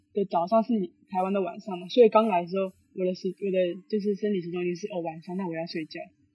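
A woman talks very fast and somewhat breathily, her loudness swinging a lot while her pitch varies in an ordinary way. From Taiwan. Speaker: student athlete. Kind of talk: casual interview. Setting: video call. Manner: halting.

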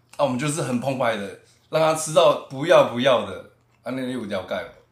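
A man's medium-pitched, animated voice at a fairly quick pace, with audible room echo. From northern Taiwan. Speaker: podcast co-host. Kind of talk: casual chat.

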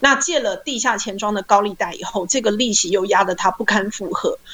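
With a plain, everyday voice, a woman talks at a moderate pace, her fairly high pitch carried by lively intonation. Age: 40s. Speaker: law professor. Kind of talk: online panel discussion.

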